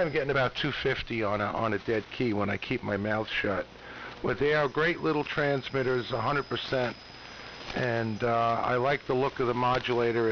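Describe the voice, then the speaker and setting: A man with a medium-pitched voice chats informally over an AM ham radio link. The sound is dull and band-limited. Static is clearly audible behind his words. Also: a bit bright. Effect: AM shortwave radio transmission. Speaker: amateur radio operator. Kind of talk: casual ham radio chat.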